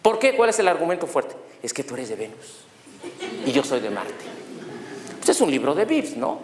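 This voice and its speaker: A middle-aged man giving a lecture on law, animated and throwing rhetorical questions at his audience. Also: on the high side, moderate pace, a little hiss or hum. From Mexico. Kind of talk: university lecture on human rights. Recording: echoey hall with long reverb.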